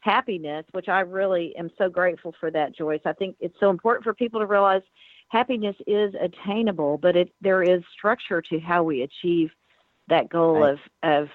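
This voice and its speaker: A woman's voice: fairly low pitch, moderate pace, no room sound. A woman guest on a radio panel, speaking earnestly and appreciatively. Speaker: round table guest. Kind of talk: casual radio panel chat. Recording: tinny phone line, dry.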